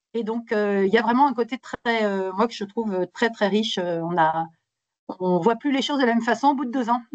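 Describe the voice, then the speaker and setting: A woman talks at a fairly quick pace and fairly high pitch with ordinary pitch variation. The background is quiet. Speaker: research outreach project coordinator. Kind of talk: webinar presentation. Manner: fast; hesitant, many fillers.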